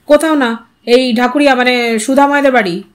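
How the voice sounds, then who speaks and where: A woman's voice: high-pitched, brisk, close to an everyday voice. A woman voicing an impatient, defiant teenage boy who answers brusquely, in an audio story. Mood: casual, offhand. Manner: brusque, irritated retorts. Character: impatient, defiant teenage son, casual and touchy.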